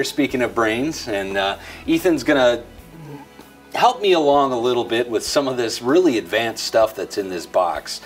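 A middle-aged American man hosting a product tutorial in a conversational presenting style. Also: mid-range voice. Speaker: video tutorial host. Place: indoor product display set.

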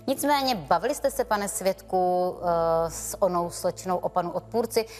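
A woman's voice: fairly low pitch, darkish tone, close to an everyday voice. An actress playing a composed female attorney formally questioning a witness in a TV courtroom show. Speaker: lawyer for the petitioner.

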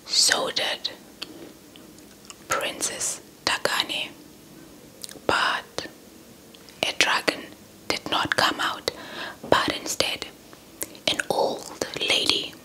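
A young woman from South Africa whispering a folktale in ASMR style close to a small microphone, deliberate and repeating words. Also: bright, forceful tone, poor audio. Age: young adult. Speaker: ASMR storyteller. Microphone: small handheld mic held close to the mouth.

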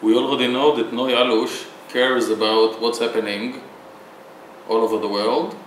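A man interviewing a guest, asking measured questions and prompting. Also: mid-range voice, fairly even intonation. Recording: echoey room, faint background hiss.

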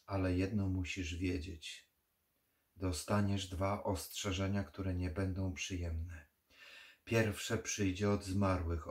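A man voicing the ghost of a sad mother who pleads and gives solemn warnings in an audiobook horror reading. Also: low-pitched. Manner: pleading then solemn, foreboding.

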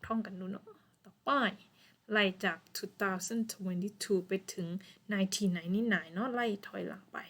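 A woman with a Thai accent teaching English pronunciation in a casual online lesson, saying English words slowly and loudly and chatting quickly in Thai between them. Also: mid-range voice.

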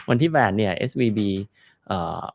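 A man's voice: medium pitch, expressive, unhurried, no echo. A man giving casual market commentary, chatty and explaining with everyday comparisons. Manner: chatty, explains with homely comparisons, ends phrases with soft particles. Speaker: finance commentator.

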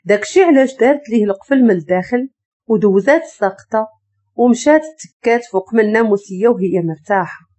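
A woman with a Moroccan accent narrating a dramatic story in an expressive, scripted storytelling manner. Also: on the high side, fast talker.

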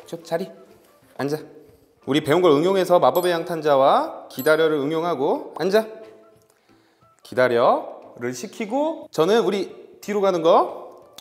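A male dog behavior veterinarian and trainer giving an upbeat training demonstration, bursting into cheerful praise and quick commands. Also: a little high, sing-song. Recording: echoey hall with faint music.

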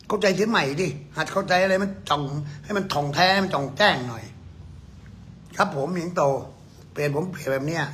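High-voiced older man, blunt and profane. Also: a bit bright, a little hiss or hum. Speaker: amulet expert. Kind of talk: ranting lecture to viewers.

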